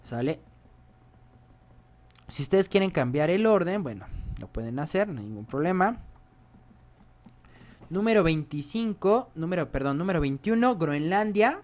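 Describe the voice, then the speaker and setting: A man's voice: on the high side, big pitch swings, unhurried, pauses often, darkish tone. A man gives a screen-recorded programming tutorial. He explains each step in a chatty way and keeps checking in with his viewers. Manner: chatty, explains step by step, often asks "¿sale?".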